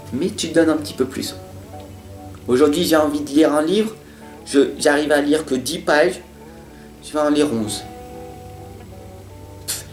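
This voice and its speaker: A man giving a monthly horoscope reading from tarot cards, talking in an earnest, repetitive motivational way, stuttering at times and swinging between loud and soft. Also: a little high. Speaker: tarot reader. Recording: roomy sound with faint guitar music.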